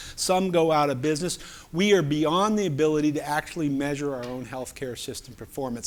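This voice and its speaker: An animated man with an American accent speaks at a fairly high pitch with ordinary pitch variation. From United States. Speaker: physician researcher. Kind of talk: lecture. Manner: conversational, animated.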